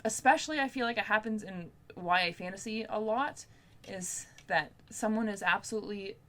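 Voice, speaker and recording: A woman's voice: mid-range voice, moderate pace, fairly bright tone. A young woman chatting casually to camera as a book vlogger, in an informal, rambling, playfully self-deprecating way. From Canada.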